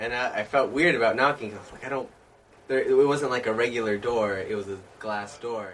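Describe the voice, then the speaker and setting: A man's ordinary speaking voice, medium in pitch, at a fairly quick pace with ordinary pitch variation and big swings in loudness. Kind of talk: casual chat.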